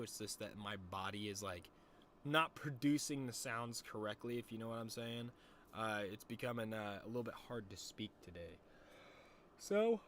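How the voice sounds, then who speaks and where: Chatting casually with his audience, a young streamer swears freely and jokes around in a rambling stoner vlog, speaking with a lisp and a stutter. His voice sits mid-range with a fairly bright tone, and there's slight background noise.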